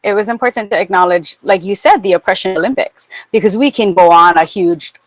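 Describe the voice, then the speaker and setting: A woman of medium pitch speaks on a virtual panel. She is thoughtful and affirming as she builds on others' points. Her voice comes through a video call with a dry, close sound. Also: fairly quick, dry recording, low-quality recording.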